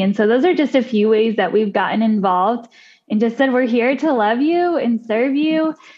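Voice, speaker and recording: A woman with an American accent. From northern Oklahoma, Ponca City. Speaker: women's ministry coordinator. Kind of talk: podcast interview, personal testimony.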